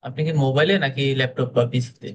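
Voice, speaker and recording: A Bangladeshi man leads an online speaking class and talks through his feedback. His delivery is relaxed and broken by frequent "ah" fillers, and he slips English words into his Bangla. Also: mid-range voice, quick pace, highs cut off. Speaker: speaking club instructor. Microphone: video call.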